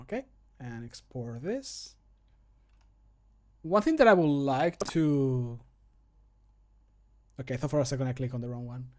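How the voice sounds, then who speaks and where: Working at his indoor desk setup, a thirtysomething streamer and game modder keeps up casual, joking chatter with his livestream audience. He sits close to a desk mic and speaks in an animated mid-range voice at a measured pace, pausing often, occasionally muttering to himself and cursing.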